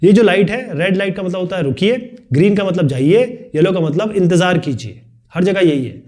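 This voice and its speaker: A man teaching a video lesson, explaining quickly and chattily with joking asides. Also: high voice, a little mellow. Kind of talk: fast classroom video lesson.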